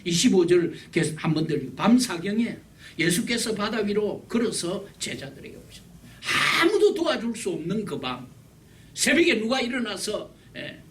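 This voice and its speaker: A man preaching a sermon, emphatic and repetitive, his loudness swinging widely. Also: high-pitched, big pitch swings, moderate pace. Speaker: pastor. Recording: distant mic with faint background hiss.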